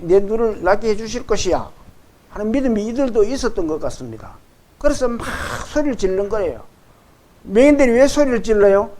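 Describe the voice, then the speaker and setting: A middle-aged male pastor with a high-pitched voice preaches a sermon. He reads the verses slowly and emphatically, acting out the quoted voices.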